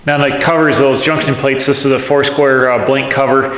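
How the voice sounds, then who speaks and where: With a mid-range, slightly bright voice, fairly even intonation and a moderate pace, a man hosts a do-it-yourself video from his pole barn workshop. He talks casually through each step as he works, thinking aloud and frequently restarting, in a reverberant, echoey space.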